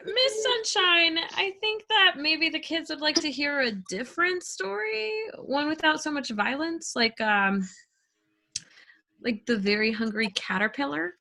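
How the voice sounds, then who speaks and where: A woman's voice: high voice, expressive, measured pace, sharp tone, full character voice. A woman playing an anxious, tactful children's teacher with a polite, strained manner in a comedy sketch. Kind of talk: comedy sketch staged reading.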